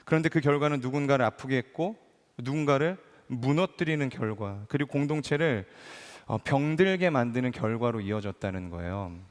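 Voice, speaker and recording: A man's voice: mid-range voice, expressive, normal speed. A middle-aged male pastor delivering a conversational sermon, full of rhetorical questions, who acts out the people he quotes. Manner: acts out quoted speakers in changed voices. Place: large church hall. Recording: long hall reverb.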